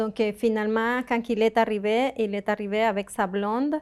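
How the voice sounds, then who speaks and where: A woman speaks in a monotone, flat intonation with a Colombian accent. Her pitch sits fairly high. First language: Spanish (speaking French). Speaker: immigrant interviewee. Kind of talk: interview. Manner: halting.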